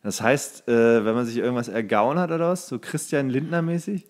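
A man's voice: medium pitch, fairly even intonation, fairly quick. A man chatting as a comedy podcast co-host, joking and playing puzzled. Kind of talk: casual comic banter.

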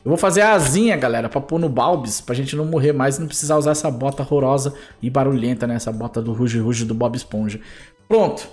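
A Brazilian man commentating his Minecraft play as a YouTuber, excitable, squealing and shouting when startled. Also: medium pitch, fast, soft background music. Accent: Brazilian Portuguese. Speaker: gaming YouTuber.

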